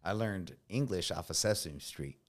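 A man with a slight Latino accent, whose first language is Spanish, talks in a very deep, low register. He tells his stories in a relaxed, slangy way, full of fillers, as a guest in a casual interview. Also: moderate pace. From United States. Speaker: guest, combat veteran.

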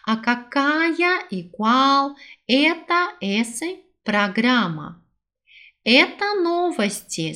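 A young woman leads a language lesson with a fairly high voice. She speaks slowly and carefully, and her pitch rises and falls a lot as she repeats each phrase and then explains it in a second language. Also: a bit bright. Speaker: language teacher.

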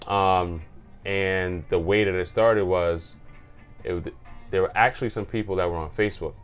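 A man from Jamaica, a community organizer, chatting as an interview guest in an upbeat way, full of shout-outs and laughs. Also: low voice, fairly even intonation, normal speed, clean tone, faint music behind. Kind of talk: casual interview chat.

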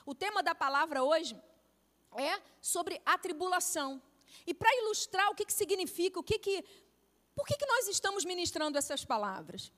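High-voiced Brazilian woman preaching in a hall. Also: moderate pace. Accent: Brazilian Portuguese. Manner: storytelling, animated with acted-out quotes. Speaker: pastor's wife preaching. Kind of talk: sermon. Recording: long hall reverb.

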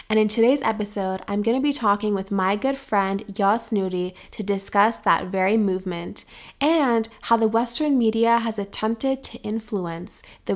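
A young woman hosting a podcast, speaking in an earnest, measured and reflective way. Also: mid-range voice. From United States. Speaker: podcast host. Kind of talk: scripted podcast commentary.

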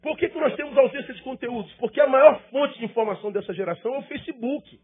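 A man's voice: very high-pitched, quick pace, breathy edge, narrow, tinny audio. A male pastor preaching a sermon with emphatic rhetorical questions and repetition.

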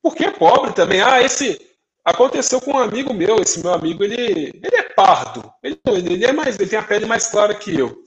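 Fast-talking brazilian guy on a podcast, high voice, keeps acting out what people said. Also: low-quality recording. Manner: animated, acts out dialogue in quoted voices. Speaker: podcast co-host. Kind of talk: casual storytelling chat.

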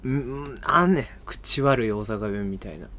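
Young male co-host, Kansai accent, animated pitch, relaxed banter. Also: normal speed. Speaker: podcast co-host. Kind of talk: casual radio chat.

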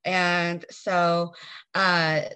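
Friendly lower-voiced woman co-host. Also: little pitch movement, pushed and bright, smooth. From Southern US, Texas. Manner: friendly, many um and uh pauses. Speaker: podcast co-host and author. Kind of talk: casual podcast chat.

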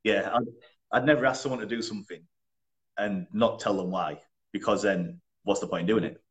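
Young guy trainer, lowish voice, laid back, blunt, laughs a lot. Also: brisk. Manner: relaxed, chatty, laughs often, blunt wording. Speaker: personal trainer. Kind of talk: casual interview.

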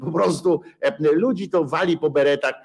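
A man's voice: a little high, moderate pace, darkish tone, husky. A man hosting a rambling satirical monologue, sarcastic and profane, full of hesitations and filler sounds.

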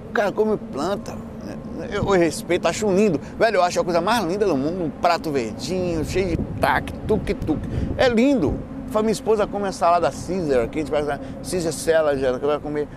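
A man's voice: on the high side, background noise. A man with a Bahian Brazilian accent chats in a casual, rambling, playful way, full of slang and restarts. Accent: Bahian Brazilian Portuguese. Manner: colloquial, slangy, playful, with repeated false starts and self-interruptions. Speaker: speaker answering audience questions on spirituality and lifestyle.

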